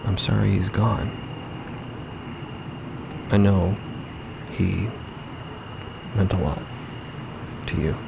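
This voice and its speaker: Audio drama role: vulnerable grieving man, very gravelly and slow, hesitant, over an ambient rumble. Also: fairly even intonation, full character voice. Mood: sombre confession. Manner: hesitant, halting, confiding. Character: subdued, vulnerable young man, grieving a mentor.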